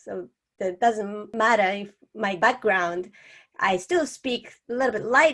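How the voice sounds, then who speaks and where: Speaking with a Japanese accent, a woman has a fairly high pitch. Her intonation is lively. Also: fairly slow pace. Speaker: storytelling coach. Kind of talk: tutorial. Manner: deliberately moderated tone.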